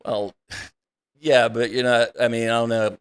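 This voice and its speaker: A man's voice: medium pitch, little pitch movement, normal speed, clean tone. A man co-hosting a podcast in casual chat, mostly giving short agreeing replies and laughing along. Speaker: podcast co-host.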